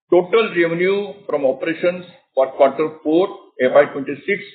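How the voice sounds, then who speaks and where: A male company executive with an Indian accent and a somewhat high-pitched voice. He delivers a scripted business presentation in a formal, measured way. The sound is thin and band-limited, as on a telephone conference call. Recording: narrow, tinny phone conference line.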